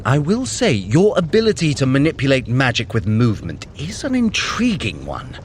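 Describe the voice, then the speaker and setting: An actor playing a sly, haughty Norse trickster god in an audio fitness adventure, with lofty, theatrical, archaic phrasing. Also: male voice, medium pitch, huge pitch swings, normal speed, a little hiss or hum. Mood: intrigued, wry.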